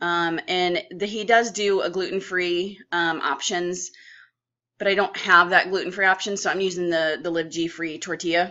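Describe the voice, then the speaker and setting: This woman has a plain, everyday voice, medium in pitch, with fairly even intonation and a moderate pace. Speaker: diet vlogger. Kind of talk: casual vlog. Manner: rambling with many fillers.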